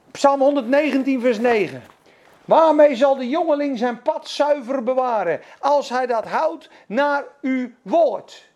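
A man's voice: extremely high pitch, gravelly, a little mellow, highs cut off. A man preaching a sermon, fervent and emphatic, calling out to his listeners. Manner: fervent, emphatic, acts out dialogues.

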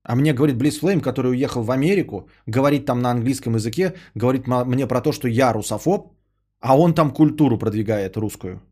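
A man's voice: medium pitch, brisk, darkish tone. A man, a podcaster and streamer, ranting in a sarcastic, indignant tone and swearing freely as he answers a viewer.

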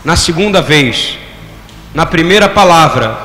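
A man's voice: a little high, lively intonation, a little slow, sharp tone. A man preaching a sermon, drawing the congregation into repeating phrases and firing rhetorical questions at them. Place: church hall. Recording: echoey hall with long reverb, faint room noise.

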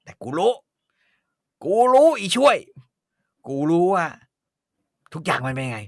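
A man voicing a furious, crude older female cook who scolds in shrill, coarse bursts, as part of a comedic story reading. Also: moderate pace, no echo, clean studio sound, natural voice.

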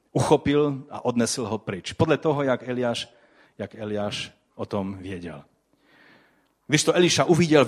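A man preaching a sermon, telling a story vividly and putting rhetorical questions to his listeners. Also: mid-range voice. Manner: addresses the audience with rhetorical questions; animated storytelling with swings in loudness.

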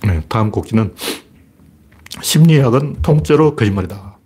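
Male pundit, husky voice, lively swings in pitch, sarcastic casual delivery. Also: moderate pace. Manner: sarcastic and mocking, with scoffing asides and short laughs. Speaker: political commentator. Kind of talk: casual spoken commentary.

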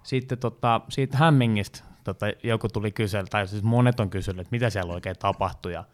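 A man hosting a casual fan podcast, telling a story with many fillers in a lively, rambling way. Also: fairly low pitch. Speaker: podcast host, fan group organizer. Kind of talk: casual chat, anecdote telling.

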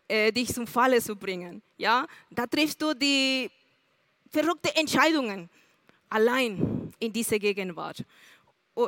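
A woman's voice: a little high, a bit bright, no room sound. A woman preaching a sermon in an earnest way, speaking straight to her listeners with questions.

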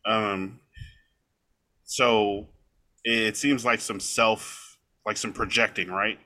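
A man with a somewhat low voice and a bright, forceful edge, chatting casually on a podcast. He rambles through his story with lots of fillers and keeps it lively. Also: takes it slowly.

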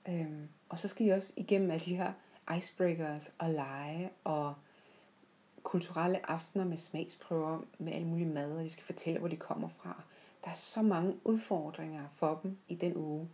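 A woman with a soft-edged, mellow voice, pitched a little low. She shares personal reflections without a script, in a heartfelt manner, pausing mid-sentence as she finds her way. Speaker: podcast host. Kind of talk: unscripted reflective personal storytelling.

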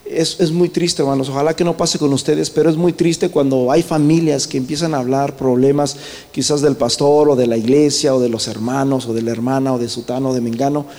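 A man's voice: medium pitch, steady tone, a little fast, warm tone, long reverb tail. A man preaching a church sermon, often checking in with the congregation and slipping the word "brother" into his Spanish. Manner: questions the congregation often, tagging lines with "¿verdad?". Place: church hall.

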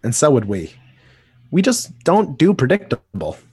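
A man's voice: fairly high pitch, wildly swooping pitch, a little slow, darkish tone, husky, no echo, heavily acted. A man voicing a wry young adult male hero in a dramatic comic reading, with teasing, dry banter.

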